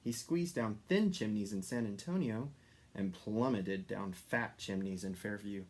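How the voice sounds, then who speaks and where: A man reading a children's story aloud expressively, with dramatic pauses and stressed descriptive words. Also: lowish voice, a little mellow. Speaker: story reader.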